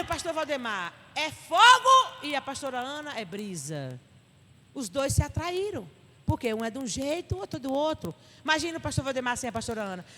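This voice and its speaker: A middle-aged woman pastor with a Northeastern Brazilian accent gives an animated, emphatic church Bible study talk. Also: high voice. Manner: animated and emphatic, acting out little dialogues. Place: church hall. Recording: reverberant church hall with faint noise.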